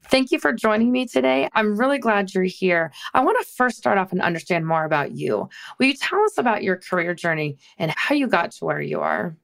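Brief: curious, upbeat female podcast host with a gravelly, animated voice. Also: mid-range voice, a little fast, hardly any pauses. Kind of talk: interview.

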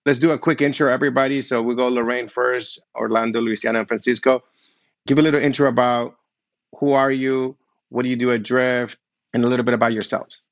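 A man's voice: mid-range voice, level tone, brisk, dry recording. Man, middle-aged, podcast host, upbeat, welcoming, dry close sound. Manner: upbeat, welcoming, asks follow-up questions. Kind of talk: friendly interview hosting.

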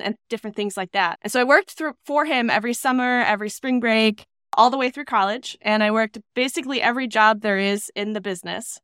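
A woman in her thirties from Iceland, a podcast guest telling stories about her career in a relaxed, chatty way over a video call. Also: fairly high pitch, smooth, dry recording, studio quality. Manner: chatty, anecdotal, frequent "you know" fillers. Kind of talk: relaxed storytelling interview.

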